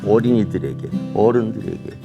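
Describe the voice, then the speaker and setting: A middle-aged man speaking as an author to young students, telling a story in an animated way and asking rhetorical questions. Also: on the low side, normal speed, dull audio, over loud music. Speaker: children's author giving a talk. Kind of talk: motivational lecture to students.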